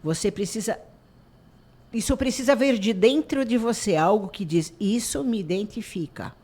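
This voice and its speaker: A woman, president of an artisan association, telling animated stories in a radio interview and acting out quoted dialogue. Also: fairly high pitch, moderate pace. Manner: animated storyteller who acts out quoted dialogue.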